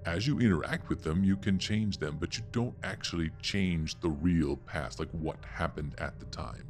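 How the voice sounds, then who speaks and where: A middle-aged man with a very low voice narrates as game master. He explains things in deliberate, broken-up phrases, with music clearly playing behind him. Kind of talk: explaining a tabletop role-playing story in conversation.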